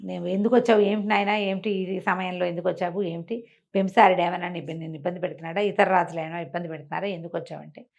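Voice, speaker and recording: A woman's voice: fairly low pitch, steady tone, very fast, creaky, darkish tone, lo-fi sound, pitched below the performer's own voice. A woman storyteller voicing the Buddha as a serene, firm male teacher who admonishes and instructs. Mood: calm.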